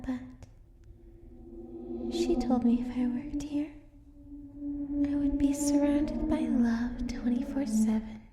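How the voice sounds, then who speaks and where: A woman acts out a lonely, age-old banshee working a hotel front desk in an ASMR roleplay. She speaks very slowly in a soft, hesitant voice that often slips into whispers, gentle and courteous throughout. The sound is distant and echoey, under heavy background ambience. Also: high voice, fairly even intonation. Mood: soft, welcoming, wistful. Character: ancient lonely banshee receptionist at a monster hotel, gentle, polite. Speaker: hotel receptionist. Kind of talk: ASMR roleplay, scripted monologue to the listener. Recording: distant, roomy, very noisy with ambience.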